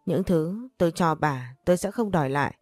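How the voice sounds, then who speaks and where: A woman's voice: sits low, expressive, fairly quick, darkish tone, no echo. A woman narrator voicing a stern older man, the betrayed head of the household, who speaks in a harsh, accusing way. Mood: bitter. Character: stern aging male patriarch, betrayed and cold.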